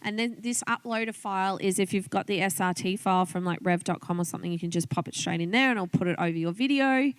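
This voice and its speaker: Talking fast with few pauses, this Australian woman gives an informal tutorial on video tips, narrating a screen demonstration step by step while she chats and thinks aloud. She is an online business coach with a smooth, medium-pitched voice, and there's no room sound.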